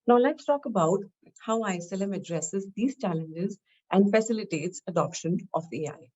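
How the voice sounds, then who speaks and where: A woman giving a scripted technical product presentation, explaining in measured, short phrases. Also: medium pitch, rough recording.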